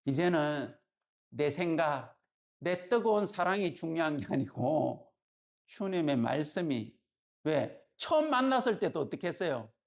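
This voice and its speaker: A male pastor preaches with a lively, storytelling style and keeps tossing questions back to his listeners. His voice has a rough, gravelly texture, and his pitch rises and falls a great deal. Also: a little slow. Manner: lively storytelling, constant "예?" and "그죠?" prompts to the congregation. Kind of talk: sermon.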